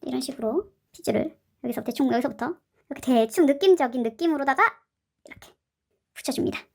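Bubbly high-pitched woman crafter. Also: fast talker, gravelly, dark tone. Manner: playful, chatty, with cute sound words. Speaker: slime and clay craft channel host. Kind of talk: casual craft tutorial narration.

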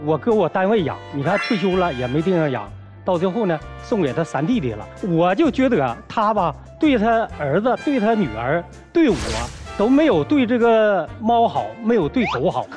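A high-pitched man tells his complaints in a colloquial, animated way. His voice swings widely in pitch. Soft music runs underneath. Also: normal speed. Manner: colloquial northeastern speech, lively complaining. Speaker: guest husband.

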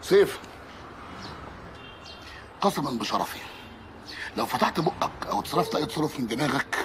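An actor playing a stern, bossy senior investigator in a film, clipped and commanding, with an Egyptian accent. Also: male voice, medium pitch, expressive, moderate pace, natural voice. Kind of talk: screen drama acting. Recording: clear background ambient noise.

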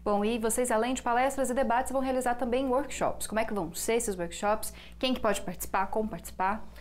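A young woman from Brazil hosting a TV studio interview, reading a polished scripted intro and asking clear questions. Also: on the high side, fast talker, a little hiss or hum. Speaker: TV host. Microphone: lapel mic.

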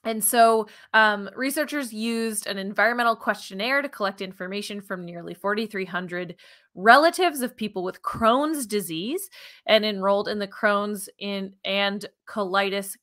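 A woman, co-hosting a science podcast in an animated, informal, emphatic conversational way. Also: medium pitch, moderate pace. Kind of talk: conversational science news presentation. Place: small furnished room at home, indoors. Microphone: video call, wearing headphones.

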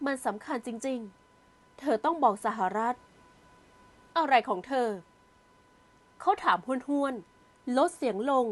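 A woman narrating an audio novel in a steady storytelling manner. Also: high voice, unhurried. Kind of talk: scripted narration.

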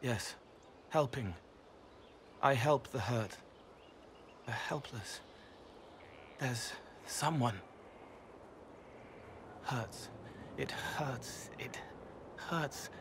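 Slow, haunted, gentle young spirit. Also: male voice, mid-range voice, noisy background. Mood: pleading, sorrowful. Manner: halting, fragmented, dreamlike phrases. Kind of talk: video game voice acting.

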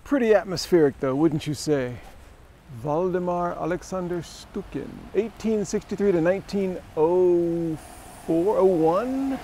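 Chatty gravelly man vlogging outdoors. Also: high voice, animated, unhurried, warm tone, a little hiss or hum. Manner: chatty, wry asides to the viewer. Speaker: travel vlogger. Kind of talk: casual walking vlog narration. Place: outdoors on rainy town streets and inside a shop. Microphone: handheld camera at arm's length.

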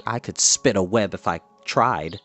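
A reader acting an excitable, naive young pig, animated. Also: mid-range voice, normal speed, faint music behind, lightly acted. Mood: boastful. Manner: childlike, earnest, excitable. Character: naive, boastful, eager young male pig.

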